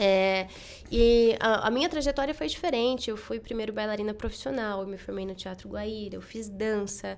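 Her loudness swings widely. The woman speaks at a moderate pace with ordinary pitch variation. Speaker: actress and dancer. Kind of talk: casual chat. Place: studio. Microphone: studio mic.

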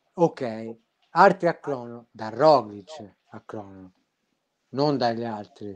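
Lively intonation at a very slow pace, broken by long, frequent pauses and big swings in loudness. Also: man, medium pitch for a man. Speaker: co-host. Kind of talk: casual chat, live reaction. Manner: casual, opinionated, laughing. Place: home room. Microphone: video call.

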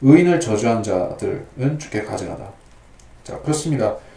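Audible room echo surrounds a man as he speaks. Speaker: Bible teacher. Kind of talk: lecture. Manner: halting.

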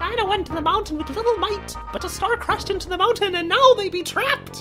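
An extremely high, squeaky put-on character voice talks at a very fast pace. Clear music plays in the background. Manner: silly.

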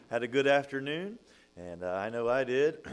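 Faint music plays in the background as a man talks at a moderate pace and a medium pitch. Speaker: pastor. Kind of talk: church service announcements and sermon. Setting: church. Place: church. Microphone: podium.

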